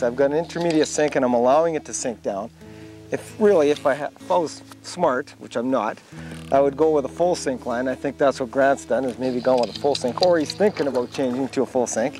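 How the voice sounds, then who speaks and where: A man talks in a dry, echo-free sound while clear music plays behind him. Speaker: fly fishing instructor. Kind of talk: tutorial commentary while fishing. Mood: relaxed, pleased. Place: boat.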